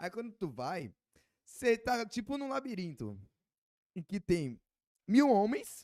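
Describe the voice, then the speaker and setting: A man's voice in a dry, close sound with no echo, on a very clean recording with a silent background. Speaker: podcast guest, content creator. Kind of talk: casual chat.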